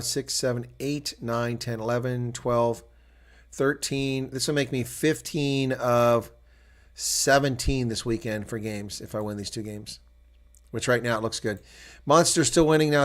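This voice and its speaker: An American man giving live rugby play-by-play and reactions, chatting with viewers as he goes. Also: mid-range voice. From United States. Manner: chatty, talks to viewers while calling play. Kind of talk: solo live rugby commentary.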